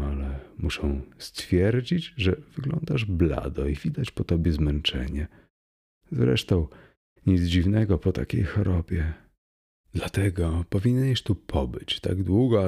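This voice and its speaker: Man voicing a joyful young man, storybook, deep low voice, slow gentle delivery. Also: gravelly, husky, heavily acted.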